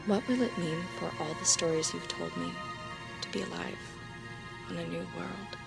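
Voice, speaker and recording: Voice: mid-range voice, fairly even intonation, moderate pace, creaky, loud music behind the voice. A performer acting a wondering, poetic dreamer in a science fiction audio drama. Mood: hushed wonder. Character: wondering, poetic dreamer bound for another world.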